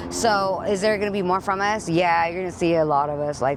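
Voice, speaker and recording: A woman speaks with a Spanish accent and ordinary pitch variation. Background noise is noticeable. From US, Mexican household. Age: 40s. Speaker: homeless woman interviewed on the street. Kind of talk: street interview. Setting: outdoors on the street. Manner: halting, many restarts.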